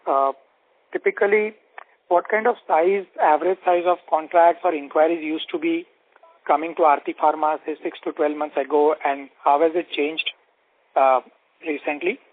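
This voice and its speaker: Higher-voiced Indian man on a phone line. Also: steady tone, normal speed, no room sound. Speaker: investment analyst asking questions. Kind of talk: question on an earnings call. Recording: dry narrow telephone line.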